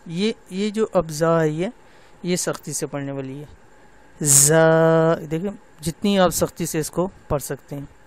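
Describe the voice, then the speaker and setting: A man's voice: a little high, darkish tone. A middle-aged man teaching Quran recitation to women, patiently explaining and drawing out letter sounds. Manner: slow drawn-out demonstration of letter sounds; patient, repeats "theek hai" often. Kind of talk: tajweed lesson for women.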